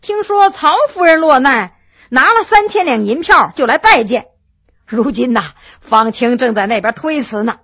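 A woman voicing a friendly male nobleman who gently coaxes and persuades, pitched lower than her narration, with a husky tone. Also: animated, normal speed, heavily acted. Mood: coaxing. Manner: coaxing, chatty.

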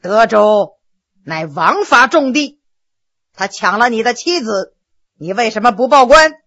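A woman's voice: a little high, animated, a little slow, a bit bright, lo-fi sound. Woman doing a stern flustered magistrate. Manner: harsh, scolding, official.

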